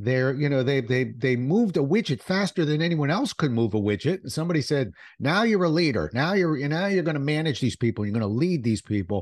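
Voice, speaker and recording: A man talks at a fairly quick pace with hardly any pauses. His fairly high voice makes very wide pitch swings. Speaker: podcast host. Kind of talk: interview conversation. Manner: warm, conversational.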